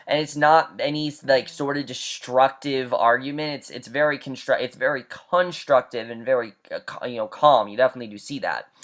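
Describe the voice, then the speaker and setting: A man's voice: medium pitch, fairly bright tone. A man giving a casual recap and review of a TV episode, chatty and full of fillers and restarts.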